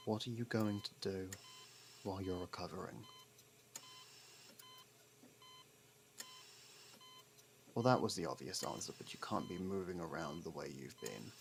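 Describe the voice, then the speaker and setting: Casting: male actor for a sarcastic, guarded convict man in ASMR drama, deep voice with heavy fry, faint noise behind. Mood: guarded, concerned. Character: sardonic, guarded jailbird man, reluctantly worried about partner. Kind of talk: ASMR roleplay, intimate dramatic monologue.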